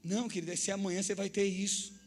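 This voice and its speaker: High-voiced, animated Brazilian pastor. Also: male voice, very fast. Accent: Brazilian Portuguese. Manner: animated, acts out dialogues with the congregation. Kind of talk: sermon. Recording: echoey church hall with faint music.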